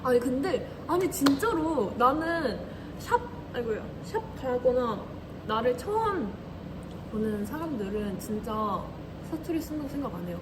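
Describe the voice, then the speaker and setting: A woman's voice: sits high, very animated, measured pace, noisy background. A young woman in her twenties with a slight Korean regional dialect, chatting casually and giggling often on a livestream. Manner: giggly, chatty, reads and answers comments. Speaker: idol livestream host.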